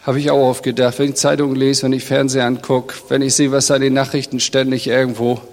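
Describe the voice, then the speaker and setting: A man's voice: medium pitch, level tone, fast, a little mellow. A middle-aged man, a pastor, giving a sermon in a direct, conversational way and speaking straight to his congregation. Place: church hall. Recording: long reverb of a church hall.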